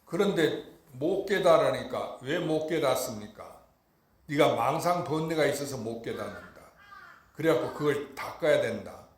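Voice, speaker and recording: A Buddhist monk giving an emphatic Dharma talk, often asking listeners if they understood. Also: male voice, medium pitch. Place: temple dharma hall. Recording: echoey hall.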